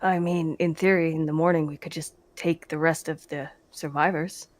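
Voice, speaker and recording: Player, casual in-character chat, mid pitch, dry close sound. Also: steady tone, moderate pace, no echo. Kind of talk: casual in-character table talk.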